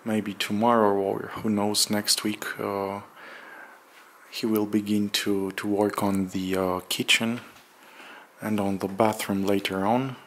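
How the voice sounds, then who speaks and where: A man narrating a casual walk-through vlog in a halting, hesitant way with drawn-out pauses, recorded indoors on a handheld camera. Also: fairly low pitch, little pitch movement, a little hiss or hum. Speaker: vlogger. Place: bare room under renovation, indoors, windows open.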